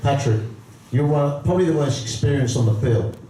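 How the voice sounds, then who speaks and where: A man's voice: mid-range voice, fairly quick, mellow, slight background noise. A man hosting a boxing press conference, chatty and promotional, putting questions to the fighters. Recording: echoey room, distant mic.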